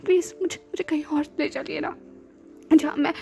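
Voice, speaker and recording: A woman's voice: high voice, fairly even intonation, normal speed, creaky, mellow. A woman doing a drunk weeping young man. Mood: pleading, tearful. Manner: pleading, stammering, mixing English. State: drunk and crying. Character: drunk tearful young man pleading with his lover.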